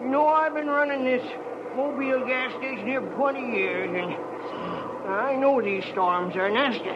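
Old mountain gas station owner, American, very high voice, unhurried, folksy, cautioning, muffled old radio drama. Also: male voice, noisy background. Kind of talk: 1940s radio acting.

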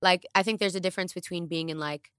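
Low-voiced candid woman podcaster. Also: fast talker, smooth, dry recording, studio quality. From the Bronx, New York. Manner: candid, animated, voice rising and dropping in bursts. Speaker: podcast co-host. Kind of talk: casual podcast chat. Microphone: studio podcast mic.

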